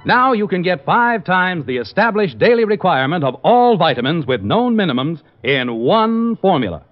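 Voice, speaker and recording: A man's voice: high-pitched, sing-song, normal speed, faint music behind. An American man reading a scripted advertisement as a 1950s radio announcer. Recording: dull old radio recording.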